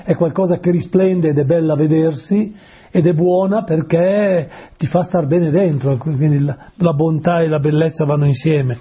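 A man's voice: a little high, steady tone, moderate pace, mellow, slightly rough. A man preaching a conversational sermon, patiently explaining words and often asking his listeners rhetorical questions.

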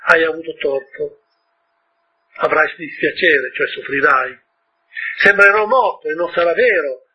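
A man with a husky voice quoting a gentle, sad little boy prince from another planet, softly and wistfully. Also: a little high, unhurried, long pauses, lo-fi sound. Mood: sorrowful.

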